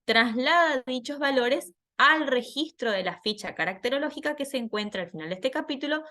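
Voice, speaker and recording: A woman's voice: sits high, lively intonation, normal speed, sharp tone. A woman patiently explaining a scoring worksheet to students in an online class, laughing at herself now and then. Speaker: teacher.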